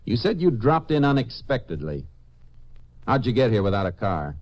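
A man playing a calm, shrewd American Texas Ranger, dry and authoritative, in a 1950s western radio drama. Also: mid-range voice, normal speed, dull audio. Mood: dry, probing. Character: calm, shrewd male Texas Ranger, dryly probing suspects.

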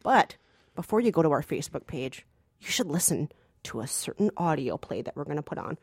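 A woman's voice: low voice, big pitch swings, a little fast, slightly rough, no echo. Emphatic woman, close dry sound. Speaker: podcast co-host, film critic. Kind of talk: casual film review chat.

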